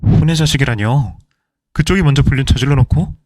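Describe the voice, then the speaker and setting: A man's voice: medium pitch, a little fast, darkish tone, no room sound, close to an everyday voice. A man voicing a cold, brazen young groom who speaks curtly and with contempt in a dramatized story reading. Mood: contemptuous. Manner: curt, contemptuous.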